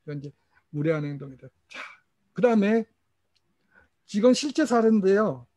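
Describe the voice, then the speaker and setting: A middle-aged man leads a parent training session in an easy, chatty lecture style. His voice sits noticeably high, and he moves through personal family anecdotes, acting out short quotes from his relatives. It sounds like a talk given over an online screen share. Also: animated, normal speed, a little mellow. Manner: storytelling, mimics family members in quotes, chuckles. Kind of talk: casual lecture with acted quotes.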